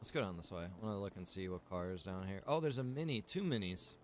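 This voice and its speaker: A man's voice: sits low, fast talker. A man chatting casually while streaming a game, informal and slangy, with some swearing. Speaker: streamer and game server developer.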